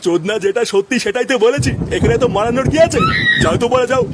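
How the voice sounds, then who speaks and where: A man's voice: extremely high pitch, fast, very noisy. A man voicing a foul-mouthed, hot-tempered husband in a comedy cartoon, scolding and combative. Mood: grumbling.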